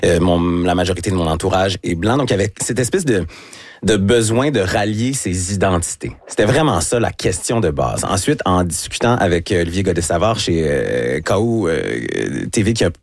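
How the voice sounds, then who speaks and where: Low québécois guy in his 30s, calm and measured, lots of little pauses, dry sound. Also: no echo. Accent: Québécois French. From Quebec. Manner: thoughtful, measured, often pausing with fillers. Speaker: radio host as guest. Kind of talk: relaxed interview talk.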